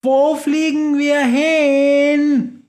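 Brief: dim, loud storybook character, high and shouty, as a male narrator puts him on. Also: flat delivery, very slow, exaggerated voice. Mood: shouting. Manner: shouting, high-pitched, confused.

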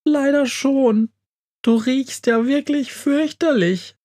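A man's voice: very high-pitched, slow pace, darkish tone, voice pushed up. A man voicing a squeamish, blunt little mouse in a children's audio story. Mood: queasy. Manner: whiny, blunt.

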